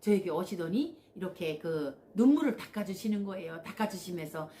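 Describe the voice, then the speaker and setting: Her voice is lowish, warm, animated, and brisk, with a little hiss or hum. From North Korea, she hosts her own channel and tells a personal story there, imitating the people she quotes and frequently slipping in "yes" and "uh."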